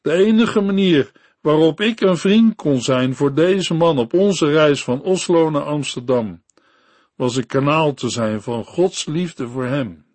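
A man reading a devotional story and sermon for a radio Bible program, in a slow, earnest storytelling manner. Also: fairly high pitch, a little mellow, no room sound.

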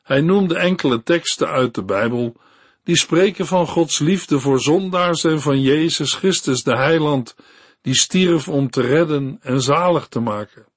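Male narrator, christian story reading, calm and measured, slow, fairly high voice, dry close sound. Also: husky, no room sound. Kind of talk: read-aloud Christian story.

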